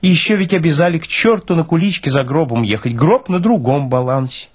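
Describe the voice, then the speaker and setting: Man acting a fussy, high-pitched pleading army medic. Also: expressive, brisk, slightly rough. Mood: aggrieved lamenting. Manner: pleading, lamenting, theatrical. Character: fussy, pleading, self-pitying male army medical officer.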